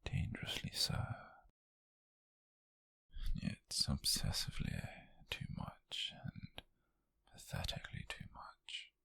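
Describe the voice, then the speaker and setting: A man playing an obsessive, lovesick captor in an intimate audio roleplay, confessing in a halting, breathy whisper, pleading yet menacing. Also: extremely low pitch, bright, forceful tone, no room sound, heavily acted. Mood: menacing devotion. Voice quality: breathy, husky, gravelly whisper. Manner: slow, halting confession with sighs.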